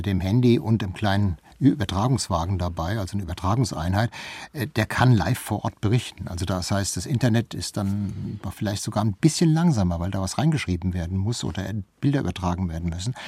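A man's voice: fairly low pitch, darkish tone, slightly rough, dry recording. A man speaking as an expert interview guest, explaining things in detail with examples.

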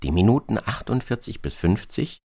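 A man presenting scripted radio commentary in terse fragments with deliberate pauses. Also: fairly low pitch, expressive, a little mellow, no echo, clean studio sound. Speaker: presenter of radio drama archive.

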